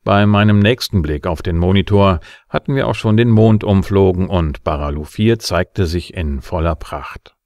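A man's voice: low-pitched, normal speed, creaky, few pauses, darkish tone, no echo, studio quality. An actor playing a cocky, wry bounty hunter who narrates his case in a laconic, flippant audio drama style. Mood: wry, detached. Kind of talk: hard-boiled first-person audio drama narration.

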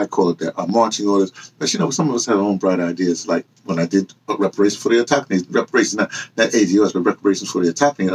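A man in his sixties with a husky voice talks casually to camera, wandering between asides and correcting himself as he tells his story. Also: fairly low pitch, low-quality recording. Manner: digressive, self-correcting storytelling. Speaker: host of a personal memoir channel, audio dramatist. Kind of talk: casual rambling monologue to camera. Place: small indoor room with bookshelves and hung clothes.

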